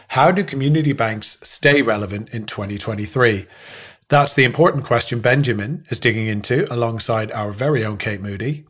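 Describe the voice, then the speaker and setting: A man's voice: medium pitch, a bit bright, breathy edge. A man co-hosting a podcast, reading out news stories and putting questions to a guest. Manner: reads headlines, then questions guests. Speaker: podcast co-host.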